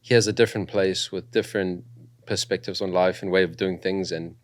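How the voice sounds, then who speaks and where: A man's voice: low-pitched, fairly quick, dry recording. A young man from South Africa with a South African accent, telling his story as a guest in a casual podcast interview, with lots of fillers. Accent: South African with New Zealand influence. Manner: relaxed storytelling with frequent fillers.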